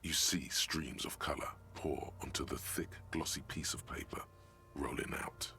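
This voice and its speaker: A man narrating a game in a scripted, gravelly delivery. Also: extremely low pitch, steady tone, measured pace, pushed and bright, whispered, full character voice. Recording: faint music under the voice.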